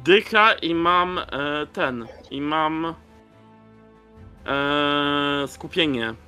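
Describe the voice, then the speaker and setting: A man talks through his moves as a player in a tabletop game. His voice is high and forceful in tone but halting in delivery, with faint music behind. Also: clear, resonant tone. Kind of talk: casual game-table talk. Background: faint background music.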